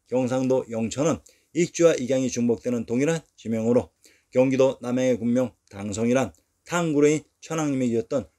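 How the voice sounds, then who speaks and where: A man reading a scripted history narration in an even, measured way, going through lists one by one. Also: mid-range voice.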